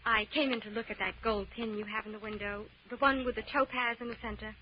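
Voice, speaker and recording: A woman's voice: a little high, fairly even intonation, fast, lightly acted. Actress as a ladylike sidekick on muffled old radio. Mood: feigned innocence. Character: loyal, slightly anxious female sleuth's companion. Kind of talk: 1940s radio detective drama acting. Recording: dull, faintly noisy old radio recording.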